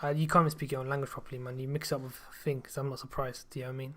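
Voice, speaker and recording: Casual male podcast host, quick slangy delivery. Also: medium pitch, flat delivery, pushed and bright. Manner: fast, insistent, slangy, says "bro" and "innit". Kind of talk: casual chat.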